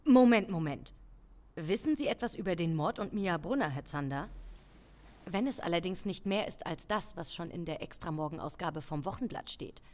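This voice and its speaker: An actress playing an authoritative female police chief in an audio crime drama, formal, measured and commanding. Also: fairly low pitch, animated, darkish tone, natural voice. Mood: stern. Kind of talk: German audio drama acting.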